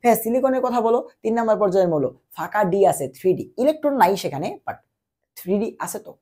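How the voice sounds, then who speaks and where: A young man tutors chemistry for exams while running a fever. His voice is husky and mellow, and he keeps quizzing the listener and answering his own questions. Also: sits high, expressive, fast. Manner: repetitive call-and-answer teaching, quizzing the listener. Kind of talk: exam-prep lecture.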